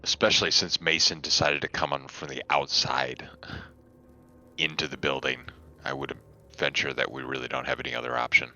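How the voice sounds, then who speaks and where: A man playing a tabletop game, talking casually and deliberately with some hesitation, over a dull mic. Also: rumbling low, fairly even intonation, bright, forceful tone.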